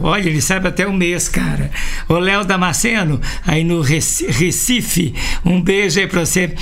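A man's voice: sits high, fairly bright tone. A man with a Brazilian Portuguese accent hosting a radio show, chatty and joking as he reads listener messages aloud. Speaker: radio host.

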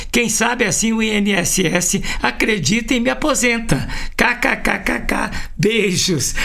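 A man's voice: high voice, gravelly, bright, forceful tone. A man with a Brazilian Portuguese accent hosting a radio show, chatty and joking as he reads listener messages aloud. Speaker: radio host.

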